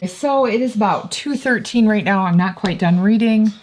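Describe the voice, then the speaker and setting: A woman's voice: medium pitch, moderate pace, darkish tone, a little hiss or hum. A woman, chatting casually to the camera at home in a rambling, self-correcting way. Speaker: vlogger and homeschooling mother. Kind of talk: casual vlog chat. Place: at home indoors.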